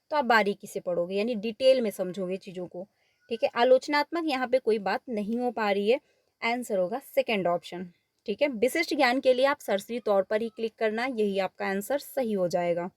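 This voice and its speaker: Higher-pitched woman teacher, dry sound. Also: dry recording. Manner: explains step by step, repeats answers often; mixes English words into Hindi. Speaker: exam prep teacher. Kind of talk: exam paper walkthrough lesson.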